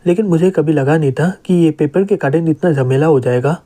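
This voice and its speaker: A man voicing a calm young male city lord in a plainly read comic recap. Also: fairly high pitch, a little fast, lightly acted.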